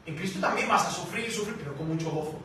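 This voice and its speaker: A man delivers a sermon as pastor, his voice high and bright. He preaches in a theatrical, animated way. He is recorded from far off in a very echoey church hall with faint background noise. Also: fast talker. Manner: animated, theatrical, with sound effects and acted-out voices.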